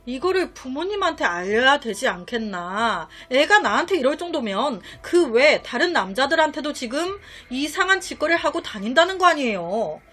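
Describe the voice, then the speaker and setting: Chatty woman narrating a crime story, very animated, lots of rhetorical questions. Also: sits high, normal speed, hardly any pauses.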